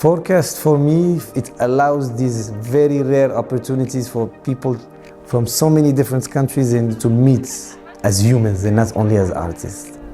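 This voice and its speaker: Mellow-voiced Moroccan-born choreographer, a man. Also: medium pitch, moderate pace, soft background music. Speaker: choreographer and performer. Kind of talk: interview testimonial.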